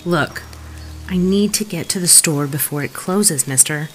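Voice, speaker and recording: A woman's voice: low voice, a little slow, soft background music. An actress playing a shaken young woman in an audio drama, wary and wryly sarcastic. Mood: exasperated.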